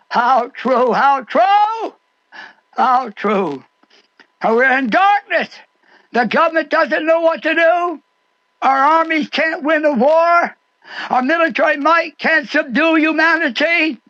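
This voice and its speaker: A man's voice: very high-pitched, bright, forceful tone. A man preaching a radio sermon in a fiery, sing-song way with sudden swoops and repeated phrases. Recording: muffled shortwave radio broadcast.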